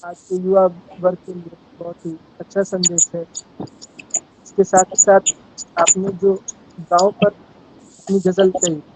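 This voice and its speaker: Flat-voiced man moderating an online event. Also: high-pitched, slow, long pauses, slight background noise, rough recording. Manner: polite, formal, thanks and invites speakers. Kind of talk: formal event hosting. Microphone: video call.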